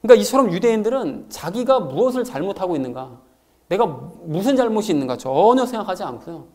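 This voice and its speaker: Preaching fast in a high-pitched voice, a pastor explains his sermon expressively and performs the quoted lines as he delivers them.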